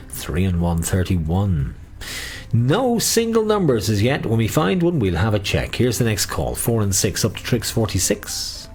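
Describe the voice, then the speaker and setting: A man's voice: fairly low pitch, darkish tone. A middle-aged Irish man working as a bingo caller, calling numbers in a sing-song way with repeats and mixing in casual chat.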